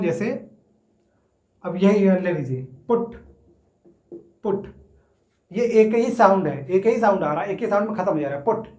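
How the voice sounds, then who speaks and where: A man teaching English grammar in a casual Hindi lesson. He explains step by step, stretches words out slowly when sounding them, and keeps checking in with his students. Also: high voice, darkish tone. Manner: explains step by step, often checks in with "theek hai na". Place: room, writing on a board. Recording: echoey room.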